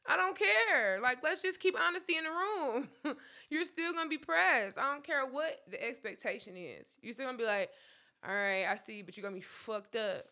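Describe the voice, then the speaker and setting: A woman with co-hosts a casual talk show, blunt, profane and animated. Her voice sits high and has a sharp, bright edge. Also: moderate pace. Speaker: podcast co-host. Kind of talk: casual chat.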